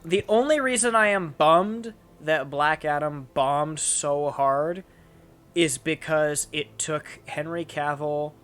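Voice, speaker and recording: A man's voice: a little high, slow pace, a bit bright, clear, resonant tone. A young man hosting a casual chat, rambling with lots of fillers and restarts. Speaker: channel host.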